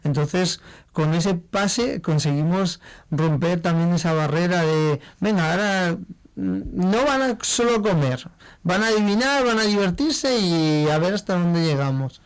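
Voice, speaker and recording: A man from La Mancha, a chef, chatting in an interview in an animated way and laughing easily. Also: high-pitched, unhurried, clear, resonant tone, poor audio. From La Mancha, Spain. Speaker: chef, guest. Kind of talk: casual interview talk.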